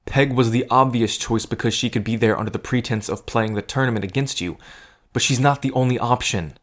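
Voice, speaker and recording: A man's voice: mid-range voice, a little fast, lightly acted. A man acting in an audio drama as a protective, wry cousin in a gambling scheme, talking in an earnest, conversational way. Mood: firm, persuasive. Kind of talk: scripted audio drama acting, addressed to the listener.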